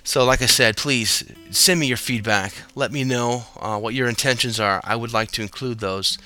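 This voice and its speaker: A man's voice: mid-range voice, normal speed, sharp tone, faint music behind. A young to middle-aged man speaking as the host of a religious podcast.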